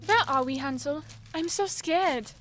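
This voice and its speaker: A woman's voice: sits high, a little slow, a bit bright, faint music behind. A woman playing an anxious, questioning young girl in a fairy-tale radio play, with a chatty modern delivery. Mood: frightened. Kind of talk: live student radio play acting.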